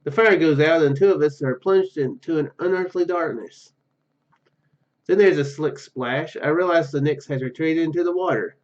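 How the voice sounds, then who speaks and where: A man with a somewhat high voice plays a story game on video. He reads the narration aloud with stumbles and casual asides. His sound is a bit dull and lo-fi. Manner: halting, stumbling over words while reading. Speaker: gaming YouTuber. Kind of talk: reading visual novel narration aloud with casual commentary.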